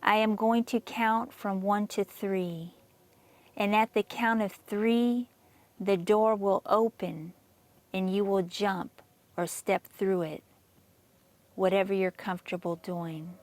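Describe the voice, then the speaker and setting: A woman leads a guided meditation from a script. Her voice sits at a medium pitch. She speaks slowly and evenly in a soothing way, leaving generous pauses between phrases. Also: fairly even intonation. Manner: slow, measured, soothing delivery with long pauses.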